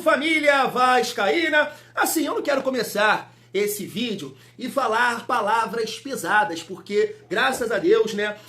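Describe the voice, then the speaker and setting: A man hosting a casual football fan vlog, talking in an excitable, emphatic, slangy way and still getting over a cold. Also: high voice. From Rio de Janeiro, Brazil. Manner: excitable, emphatic and slangy, addresses viewers as family. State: recovering from a cold. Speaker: football fan channel host.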